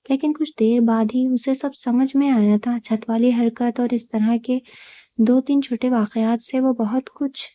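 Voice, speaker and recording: A woman reading a romantic audio novel in a steady, even storytelling narration. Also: a little high, dry recording. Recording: dull lo-fi recording.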